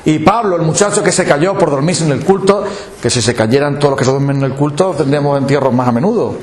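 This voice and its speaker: A man preaching a sermon in a lively, dramatic way, acting out the voices he quotes. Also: on the high side, fast talker, echoey room, slight background noise. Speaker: pastor.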